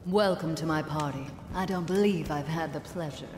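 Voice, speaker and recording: A woman's voice: low-pitched, normal speed, background noise, lightly acted. A woman playing a decadent aristocratic hostess in a video game, languid, grand and condescending. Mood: gracious, haughty. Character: haughty, decadent female aristocratic party hostess. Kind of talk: video game character dialogue. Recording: echoey room, music behind.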